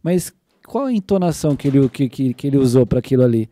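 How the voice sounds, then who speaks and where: A man's voice: mid-range voice, quick pace, no echo. A man hosting a casual faith podcast, telling a story with energy and acting out quotes. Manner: animated storytelling, acts out quotes. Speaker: podcast host.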